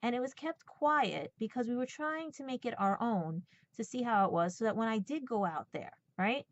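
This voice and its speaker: A woman's voice: a little high, lively intonation, normal speed. A woman in her forties giving a blunt, sarcastic personal rant, swearing and checking in with "right?" and "okay?". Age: 40s. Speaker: podcast host. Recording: dull, lo-fi sound.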